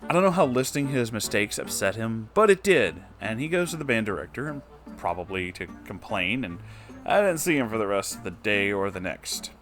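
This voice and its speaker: A man's voice: fairly low pitch, sing-song, moderate pace, fairly bright tone. Casual, sweary man over faint guitar music. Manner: profane, informal. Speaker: online story reader and host. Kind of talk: expressive story reading and casual commentary.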